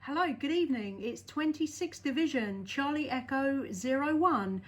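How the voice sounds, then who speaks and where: A woman's voice: high-pitched, expressive, moderate pace. A woman from the southeast of England with a southern English accent, making cheerful radio contacts and spelling out her callsign. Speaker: CB radio operator. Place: home radio station.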